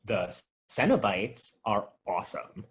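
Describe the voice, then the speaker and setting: A man's voice: on the low side, sing-song, slow pace, heavily acted. A man playing a wry, film-buff video store clerk in a comedy table read. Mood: coaxing.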